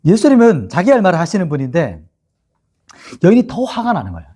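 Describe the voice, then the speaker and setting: A man's voice: sits high, wildly swooping pitch, quick pace, warm tone, breathy edge. A male pastor teaching a Bible-study sermon in a chatty way, asking his listeners questions and laughing often.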